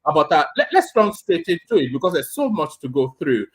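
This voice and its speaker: A man's voice: on the high side, wildly swooping pitch, a little fast, slightly rough, no room sound. A man from Oyo in southwestern Nigeria with a Yoruba accent, hosting a casual livestream commentary and emphatically repeating his phrases. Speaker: live stream host.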